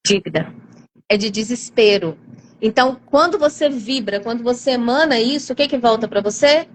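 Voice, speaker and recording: A woman's voice: a little high, fairly quick. A woman with a Brazilian accent talking animatedly in a live-stream conversation, acting out quoted voices as she explains. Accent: Brazilian Portuguese. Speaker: guest speaker. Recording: faint background noise.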